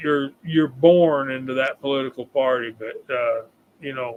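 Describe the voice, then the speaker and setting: Intonation stays fairly even from this man. His voice sits at a medium pitch. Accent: American. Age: 60s. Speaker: livestream guest. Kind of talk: casual chat. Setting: livestream.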